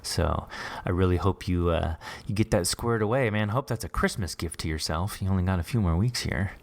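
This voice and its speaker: Low-voiced man hosting a casual interview. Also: brisk, gravelly. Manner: enthusiastic, informal, rambling questions. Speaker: podcast host interviewing a writer.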